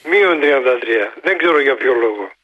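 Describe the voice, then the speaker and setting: A man's voice: mid-range voice, expressive, breathy edge. An older man calling in to a radio show, questioning and suspicious, repeating his points. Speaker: caller. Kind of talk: call-in radio talk. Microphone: telephone line. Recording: dull phone-line call.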